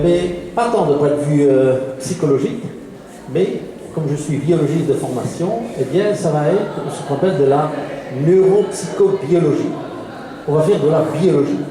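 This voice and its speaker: A man's voice: a little high, warm tone. A man in his fifties with a Liège Belgian accent, giving a public lecture in a hesitant way, with many fillers and small chuckles between points. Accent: Liège Belgian French. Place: large lecture hall. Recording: echoey hall with long reverb.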